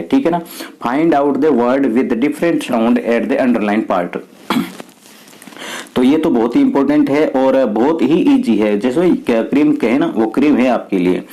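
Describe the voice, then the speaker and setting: A man's voice: medium pitch, warm tone, low-quality recording. A man teaching students through an exam paper step by step, asking questions and answering them himself. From Rajasthan, India. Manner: explains step by step, asks and answers his own questions. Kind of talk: exam paper walkthrough lesson.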